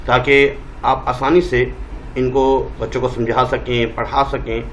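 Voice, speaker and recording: A man from Pakistan with a Pakistani Urdu accent, teaching Quran reading and sounding out letters and vowels slowly one by one. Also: mid-range voice, level tone, highs cut off, a little hiss or hum. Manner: slow, drawn-out letter-by-letter sounding. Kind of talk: spelling-out recitation lesson.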